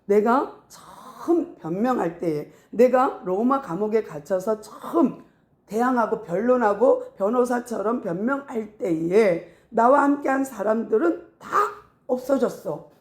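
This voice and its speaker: A woman pastor preaching a sermon in a lively storytelling way, often acting out voices, in a casual spoken style mixed with preaching. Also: on the high side, unhurried. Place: church. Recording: echoey room.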